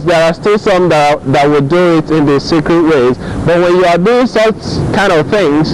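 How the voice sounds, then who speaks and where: A man's voice: sits high, a little hiss or hum, rough recording. A man with a Nigerian accent giving casual vlog commentary, often repeating and rephrasing his points. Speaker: YouTube host.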